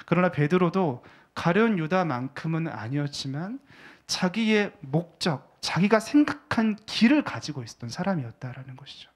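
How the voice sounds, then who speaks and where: A male pastor preaching a sermon in a church. He speaks in a conversational way, asks the congregation questions and drops to a hushed voice for emphasis. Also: fairly high pitch, big pitch swings, normal speed. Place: church sanctuary.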